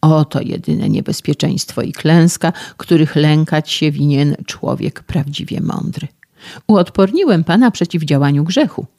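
A man's voice: on the high side, expressive, unhurried, vocal fry, mellow. A man reading an audiobook, voicing a self-assured physician who lectures a young man in a sermonizing, patronizing way. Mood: lecturing.

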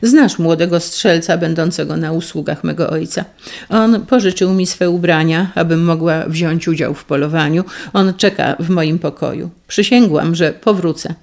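A reader voicing a devoted young noble woman in an audiobook, urgent and pleading, with a gravelly edge. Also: on the low side, normal speed, darkish tone. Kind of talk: audiobook reading.

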